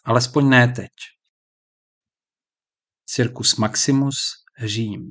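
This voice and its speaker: A man reading a historical novel aloud as an audiobook narrator, measured and even, lifting his voice a little for the characters' lines. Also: mid-range voice.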